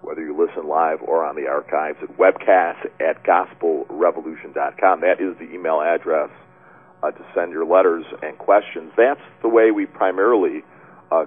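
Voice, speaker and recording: A man's voice: very deep voice, fairly even intonation, moderate pace, husky. A man hosting a call-in webcast, chatting casually with many fillers. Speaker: webcast host. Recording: tinny phone-line sound.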